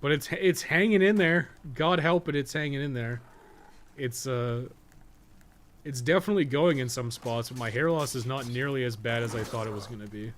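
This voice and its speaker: A man's voice: mid-range voice, normal speed. A man in his thirties with a Canadian accent, chatting in a casual, rambling, profane way while playing a game on a livestream. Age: 30s. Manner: profane, colloquial. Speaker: gaming livestream host. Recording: noticeable background noise.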